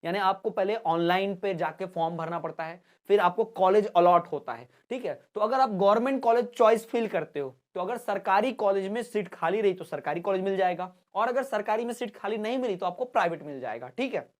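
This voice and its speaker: A man's voice: high-pitched, expressive, a little fast, few pauses. A man from Madhya Pradesh hosting an education channel, explaining in a chatty, casual way and often checking in with his listeners. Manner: chatty, keeps checking in with listeners and addressing them as brother.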